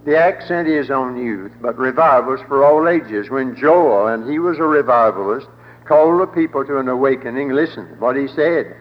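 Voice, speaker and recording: A man's voice: mid-range voice, normal speed. Older man, preacher, sermon, folksy wry humor, old dull broadcast sound, long hall echo.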